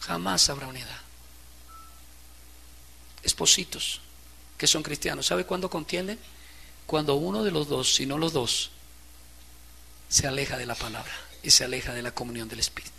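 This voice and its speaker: A man preaching a sermon as pastor, swinging between quiet, low passages and loud, impassioned stretches. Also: normal speed, gravelly, long pauses, slight background noise.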